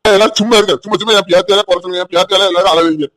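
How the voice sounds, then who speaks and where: A man's voice: sits high, fairly even intonation, very fast, a bit bright. A man voicing a protective village father with a Tirunelveli Tamil accent, firm and reassuring, in a cartoon.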